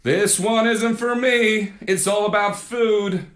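Man playing a male companion, easygoing, matter-of-fact, slow. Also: high-pitched, steady tone, fairly bright tone, pitched above the performer's own voice.

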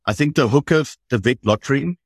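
A man's voice: medium pitch, fairly quick, husky, dry recording. A man, a rugby analyst who talks in a chatty, self-deprecating way in a podcast discussion.

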